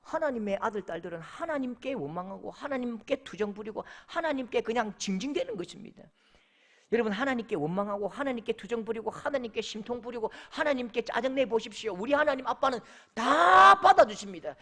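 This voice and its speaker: A male pastor with a Gyeongsang accent, preaching a sermon as an emotive, animated storyteller. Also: very high voice, quick pace. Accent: Gyeongsang Korean.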